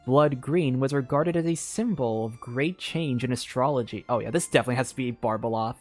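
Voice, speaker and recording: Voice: mid-range voice, a little fast, darkish tone. A game streamer chatting informally and reading a story aloud, stumbling over words and commenting along the way. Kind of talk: casual livestream chat mixed with read-aloud storytelling. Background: music.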